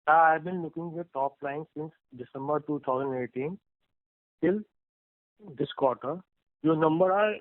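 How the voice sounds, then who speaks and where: A male investor calling in to question company management, speaking in halting, broken phrases over the phone. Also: on the high side, no echo. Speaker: investor caller asking questions. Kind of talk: earnings call question. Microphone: phone call. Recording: thin, narrow phone line.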